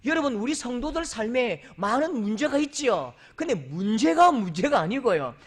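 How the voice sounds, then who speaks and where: A man from South Korea preaching a sermon in a church, animated and playful, often acting out the voices of people he describes. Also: normal speed. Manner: animated, acts out quoted voices with big pitch jumps. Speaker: pastor. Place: church sanctuary.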